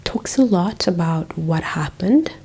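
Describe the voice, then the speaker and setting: A young South African woman with a South African accent, whispering an ASMR lesson as she recovers from flu, softly repeating words into a close mic. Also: fairly low pitch, expressive, takes it slowly, slightly rough. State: recovering from flu, a little hoarse. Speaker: ASMR creator. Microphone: close microphone.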